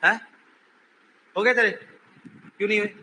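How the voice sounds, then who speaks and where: A man's voice: high-pitched, steady tone, normal speed, a little hiss or hum. A male teacher lecturing a classroom, quizzing and teasing his students and raising his voice to drill the answers. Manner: says he is shouting while teaching.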